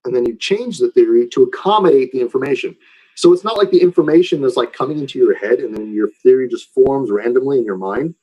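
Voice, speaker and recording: Husky-voiced man giving an informal lecture. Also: mid-range voice, fast talker, warm tone, highs cut off. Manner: conversational, explanatory, often checking understanding with tags. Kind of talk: informal live lecture with audience questions.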